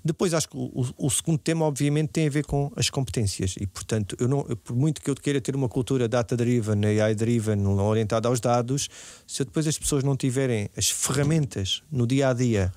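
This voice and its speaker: A man's voice: mid-range voice, brisk, a little mellow, dry recording. A man with a European Portuguese accent giving explanatory, conversational answers as a podcast guest, restating points for emphasis. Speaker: podcast guest, technology executive.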